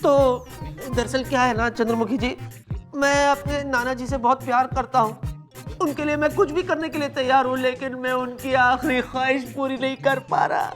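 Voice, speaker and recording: An actor playing a melodramatic, scheming officer in a sitcom, pleading and flattering over the top. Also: male voice, very high voice, normal speed, music in the background. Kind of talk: sitcom acting.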